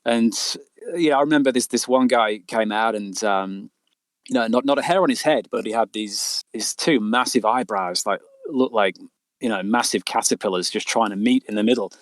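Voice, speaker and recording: A man's voice: on the low side, moderate pace, dry recording, poor audio. A middle-aged man chatting casually as an interviewed author, telling things in a rambling way with stammered repeats. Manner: rambling storyteller with frequent stammered repeats and "you know".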